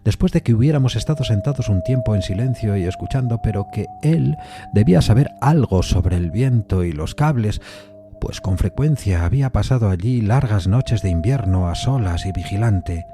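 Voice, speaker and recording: An actor playing a composed, rational gentleman who narrates an eerie literary tale in a measured, deliberate way. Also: lowish voice, lively intonation, music in the background. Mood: uneasy, reasoning. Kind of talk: literary first-person narration in audio fiction.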